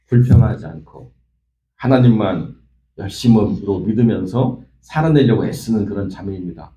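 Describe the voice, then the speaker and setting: A man's voice: fairly low pitch, warm tone, echoey room, a little hiss or hum, rough recording. A man preaching an early-morning sermon as pastor, telling a story in an earnest way with frequent small fillers. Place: church sanctuary.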